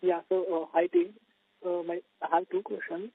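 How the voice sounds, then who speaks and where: Higher-voiced man on phone line. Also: steady tone, moderate pace, breathy edge, dry recording. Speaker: analyst asking questions. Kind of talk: conference call questions. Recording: dry, narrow phone line.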